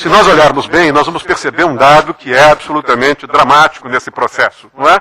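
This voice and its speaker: A man with a São Paulo accent is heard in a dry, close sound with no echo. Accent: Brazilian Portuguese, São Paulo. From Brazil. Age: 60s. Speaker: law professor. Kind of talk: conference talk. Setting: conference hall with audience.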